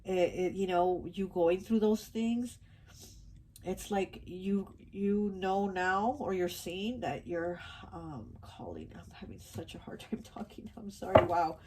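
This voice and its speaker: A woman's voice: lowish voice, slow pace, a little mellow, a little hiss or hum. A woman giving a casual tarot card reading, rambling with many fillers and restarts, her voice stuffy and nasal from allergies. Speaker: tarot reader.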